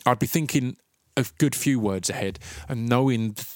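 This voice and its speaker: A man's voice: mid-range voice, moderate pace, darkish tone, no echo, clean studio sound. A man hosting a podcast, talking with a noticeable stutter that makes him repeat sounds at the start of words. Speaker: podcast host. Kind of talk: casual interview and reflective monologue.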